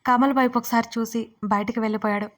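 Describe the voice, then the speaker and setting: A woman's voice: a little high, quick pace. Woman reading a romance story aloud. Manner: steady, even storytelling. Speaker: audio story narrator. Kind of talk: romance audiobook narration.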